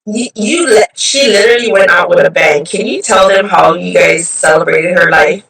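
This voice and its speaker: A woman from Hawaii hosting a chatty live interview, bubbly and quick to laugh, on her phone. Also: on the low side, gravelly, a bit bright, a little hiss or hum. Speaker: show host. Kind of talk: casual live-stream interview. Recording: distant phone mic.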